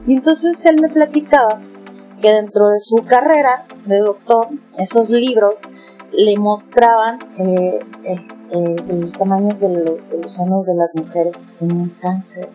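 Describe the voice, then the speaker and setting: A woman's voice: mid-range voice, steady tone, unhurried, mellow. A Mexican woman, the guest, telling anecdotes in a chatty way, full of fillers. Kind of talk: casual storytelling chat. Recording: dull lo-fi audio with faint music.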